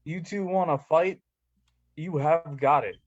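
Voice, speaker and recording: A man's voice: fairly high pitch, a little slow, no room sound, highs cut off. A man doing an amateur staged reading of wrestling promos, with casual asides, over an online call.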